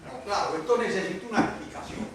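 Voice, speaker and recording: A man's voice: high-pitched, fast talker, slight background noise, close to an everyday voice. An actor on a stage playing a sea promenade come to life as a proud, cheerful man with a put-on Cuban accent, talking in sweeping lists. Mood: jovial. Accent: Cuban Spanish, put on. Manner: boastful, expansive, sweeping. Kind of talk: amateur stage play. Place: theatre stage. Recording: echoey hall from far off, live stage.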